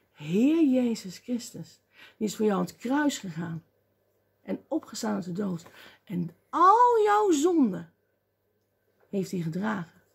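A woman preaching a lively sermon, acting out voices and crying out at times. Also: medium pitch, gravelly, husky. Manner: animated, acts out voices and cries out.

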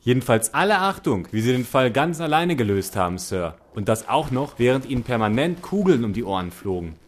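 A man's voice: mid-range voice, very animated, fairly quick. A man playing an earnest, respectful junior police constable in a crime audio drama. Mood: earnest, admiring. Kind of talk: radio play acting.

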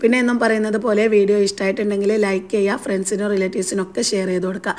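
A woman's voice: medium pitch, level tone, rapid-fire, darkish tone. A woman with a Malayali accent, hosting a home cooking channel and narrating a recipe step by step in a chatty way with small fillers.

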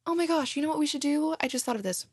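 A woman playing an affectionate, giddy girlfriend in an intimate audio roleplay, speaking softly and tenderly. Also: sits high, rapid-fire, no room sound, studio quality. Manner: soft, tender, breathy, giggly. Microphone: close microphone, dry room.

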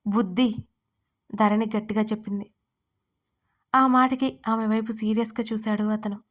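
A woman narrating an audio story in a steady storytelling manner. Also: a little high, normal speed. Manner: steady storytelling, reads every character's lines.

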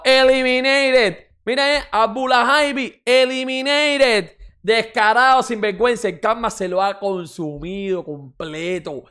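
A man's voice: sits high, a bit bright. A man giving casual mocking football reaction commentary as a streamer, repeating exclamations, swearing and ranting.

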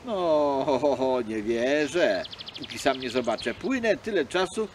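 A man's voice: mid-range voice, animated, measured pace, a little hiss or hum, close to an everyday voice. A man voicing a small, clever male fox who chuckles cheekily and talks boldly. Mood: doubtful.

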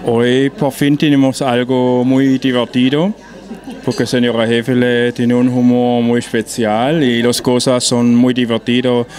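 A man in his forties speaks in a flat, even tone. He is a restaurant owner introducing an author, and his phrasing is non-native. He talks into a handheld mic in a busy dining room. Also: mid-range voice, a little slow, soft background music. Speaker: restaurant owner and event organizer. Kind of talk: event interview. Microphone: handheld interview mic.

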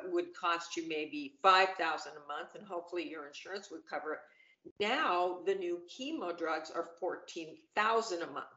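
On a video call, a middle-aged female panel guest talks casually and cheerfully, restarting often and using lots of fillers. Her voice sits lowish with a fairly bright tone, captured by a webcam that makes the sound roomy and dull.

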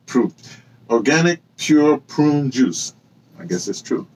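This sixties-aged audio dramatist, who runs a personal memoir channel, speaks slowly and expressively in a husky, slightly mellow voice of medium pitch. He chats casually to camera from a small room with bookshelves and hung clothes, meandering through asides and fixing his own words. The recording quality is low.

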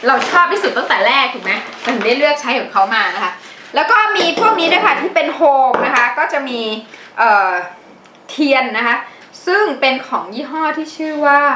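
A middle-aged woman chatting casually as she reviews used-up beauty and household products, animated and quick to laugh. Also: sits high, echoey room, slight background noise. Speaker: beauty vlogger.

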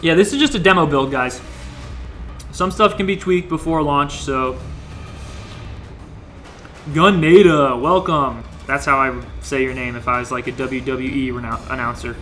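A young man hosting a casual gameplay livestream, joking and greeting viewers while he plays, his voice a little hoarse. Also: mid-range voice, brisk, bright, forceful tone, soft background music. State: slightly hoarse, losing his voice. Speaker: livestream game host.

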